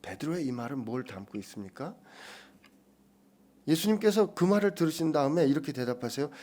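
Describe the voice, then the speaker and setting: A male pastor preaching an expository sermon. His pitch moves up and down with animation. He pushes key points loudly and then drops to hushed, almost whispered lines. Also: big pitch swings, brisk.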